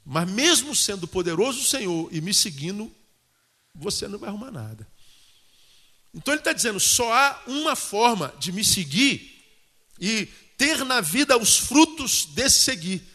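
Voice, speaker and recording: A man preaches in a lively, colloquial way and keeps turning to the congregation with questions. His voice sits high and rings bright and forceful. Long reverb from the church hall trails behind him. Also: normal speed. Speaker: pastor. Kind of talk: sermon.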